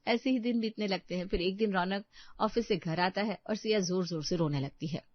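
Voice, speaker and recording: A woman narrating a domestic audio story in a steady, plain storytelling manner. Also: medium pitch, fairly quick, dry recording. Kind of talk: scripted narration. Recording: dull, dry sound.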